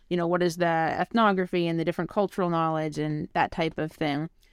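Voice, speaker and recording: In an American accent, the speaker moves at a fairly quick pace with fairly even intonation, the sound dry and close with no echo on a very clean recording with a silent background. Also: woman. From Minnesota, US. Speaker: cultural astronomy researcher. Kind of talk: interview.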